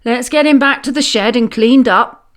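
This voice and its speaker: A woman voicing a brisk, caring male site foreman in a children's storybook, giving orders with concern. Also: a little high, close to an everyday voice.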